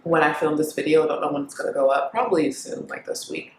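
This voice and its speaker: Young woman vlogger, reflective, pausing often, recorded in a roomy space. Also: sits low, a little hiss or hum. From Kenya. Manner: reflective, thinking aloud with many pauses and fillers. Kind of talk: casual talk to camera.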